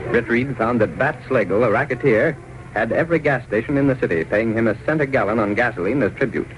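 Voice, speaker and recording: A man narrating a 1930s radio drama in an even, declarative way. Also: mid-range voice, fast, noisy background. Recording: muffled old radio transcription.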